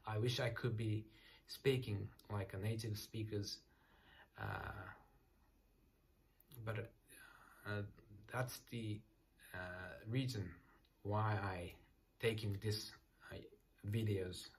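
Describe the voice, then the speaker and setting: A man in his thirties from Japan with a Japanese accent, speaking English softly and hesitantly at night in a small apartment room, searching for words with many fillers. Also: on the low side, steady tone, takes it slowly, long pauses, slight background noise. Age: 30s. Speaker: English learner. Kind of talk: casual self-introduction to camera.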